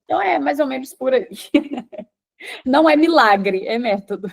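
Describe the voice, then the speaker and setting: This is a Brazilian woman with a Brazilian Portuguese accent, guest in an interview and a teacher by trade. Her voice sits high, and she explains with calm confidence, stacking her points in tidy lists. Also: measured pace, vocal fry, breathy edge. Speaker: English teacher and environmental engineer, guest.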